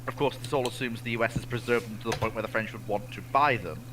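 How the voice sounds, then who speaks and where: A man in a casual history discussion, giving opinions in a halting way and repeating phrases as he reasons. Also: mid-range voice, background noise. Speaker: co-host or guest on naval history chat.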